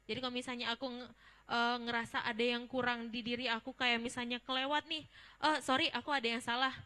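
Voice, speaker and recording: A woman's voice: on the high side, bright, forceful tone. A young woman giving a casual public speaking workshop, chatty and informal, asking the audience questions.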